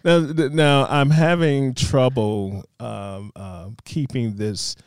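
A man hosting a casual studio chat, playful and quick to laugh. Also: mid-range voice, smooth, dry recording. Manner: playful, laughs often, lively banter. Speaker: show host.

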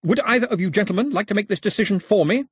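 A man voicing an imperious, impatient gentleman of the Crown in a formal, commanding, clipped manner for an audiobook. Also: sits high, very fast, breathy edge, no echo, studio quality, voice pushed up. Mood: tense, grave.

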